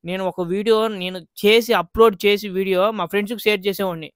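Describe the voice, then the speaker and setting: A man's voice: high voice, fairly even intonation, fast, smooth, no room sound, clean studio sound. A man vlogging in a casual, earnest way, chatting straight to his viewers.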